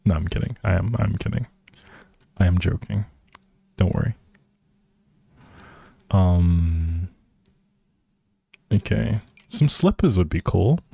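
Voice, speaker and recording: Low, mellow-voiced man chatting on stream. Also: expressive, slow pace, creaky, pauses often, slightly rough, no room sound. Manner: friendly rambling, thinking aloud. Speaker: live streamer playing a life simulation game. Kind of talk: casual gameplay chat with viewers.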